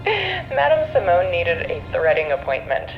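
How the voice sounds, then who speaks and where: An actress playing a breezy, snarky sister, chatting with wry, teasing amusement through a telephone filter in an audio drama. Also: female voice, fairly low pitch, huge pitch swings, slow, heavily acted. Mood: amused, snarky. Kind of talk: conversational audio drama dialogue. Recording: muffled phone-like band, music behind.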